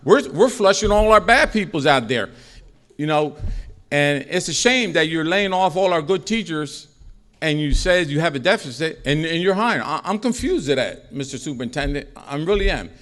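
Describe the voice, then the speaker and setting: A man's voice: on the high side, expressive, normal speed, a bit bright. A middle-aged man giving a rambling, repetitive public comment at a school board meeting from a podium microphone, growing more heated as he goes.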